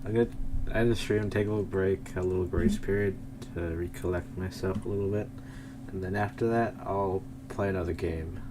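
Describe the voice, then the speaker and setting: A man's voice: low voice, steady tone, fairly quick, poor audio. A man chatting casually as he streams a game, rambling and often repeating himself. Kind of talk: casual livestream chat.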